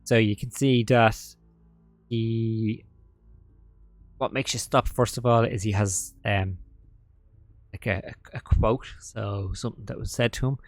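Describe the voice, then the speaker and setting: A man narrating as game master, talking in a halting way full of fillers and restarts. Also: lowish voice, steady tone, no echo, soft background music.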